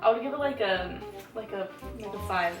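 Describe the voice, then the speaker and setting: A woman's voice: medium pitch, a little fast. An American woman casually reviewing food for a vlog, chatting informally with plenty of slang. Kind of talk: casual chat while tasting food on camera. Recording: roomy, off-mic, music behind.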